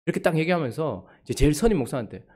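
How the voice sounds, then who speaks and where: A male pastor giving a sermon, telling a personal story in a lively way and acting out the people he quotes. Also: fairly high pitch, racing. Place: church.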